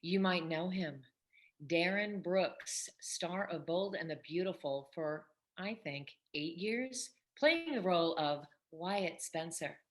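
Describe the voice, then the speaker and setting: A woman's voice: lowish voice, animated, slow pace. A woman hosting a podcast, running a casual interview with enthusiasm and often jumping in to interrupt. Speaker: podcast host.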